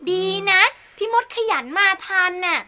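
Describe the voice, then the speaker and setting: A woman's voice: unhurried, sharp tone. A woman voicing a prim, ladylike butterfly in a children's storybook play, fussing and chiding. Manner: fussy, lady-like.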